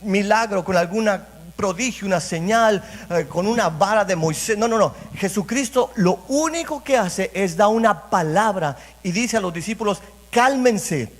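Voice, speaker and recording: A man's voice: high-pitched, moderate pace. A man preaching a sermon as pastor, repeating phrases and speaking straight to the congregation. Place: church sanctuary. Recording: reverberant church hall.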